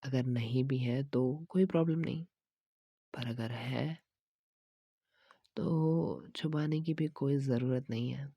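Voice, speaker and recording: A man playing a slow, gravelly flirty gym trainer. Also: no room sound, exaggerated voice. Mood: teasing. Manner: soft, coaxing, teasing with frequent low laughs; mixes Hindi and English phrases. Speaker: ASMR creator. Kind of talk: whispered role-play.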